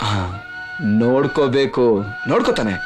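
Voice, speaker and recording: A man's voice: medium pitch, big pitch swings, normal speed, music in the background, close to an everyday voice. A man playing a brash young rowdy who teases and threatens the woman he loves, repeating his words and swinging to sudden threats. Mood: menacing teasing. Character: brash young male rowdy, menacing lover. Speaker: lead actor in a feature film. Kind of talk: dramatic film acting. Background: film score.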